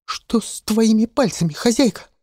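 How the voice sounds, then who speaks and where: A man voicing a young boy painter who pleads high and strained, tearful and stubborn. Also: measured pace, warm tone, dry recording, studio quality. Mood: pleading.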